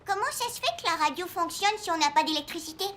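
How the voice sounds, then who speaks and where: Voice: extremely high pitch, lively intonation, fast, pushed and bright, full character voice. A performer voicing a curious, kind four-year-old boy in a French children's cartoon, eager and childlike, with music behind. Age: young child character. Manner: eager, childlike, simply phrased.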